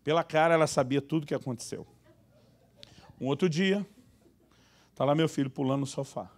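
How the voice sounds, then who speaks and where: A pastor preaches with comic timing, his fairly high voice leaping into other characters' lines as he tells a story from the pulpit. The talk is lively and playful, aimed at a church congregation. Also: a little fast. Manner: animated, acts out quoted dialogue with sudden high voices. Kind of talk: humorous storytelling sermon. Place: church service.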